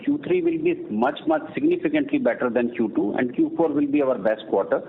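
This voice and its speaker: A senior executive, a man with an Indian accent and a creaky, mid-pitched voice, answers on an earnings call. He is firm and emphatic. The sound is phone-like, with faint noise. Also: huge pitch swings, a little fast. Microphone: conference phone call.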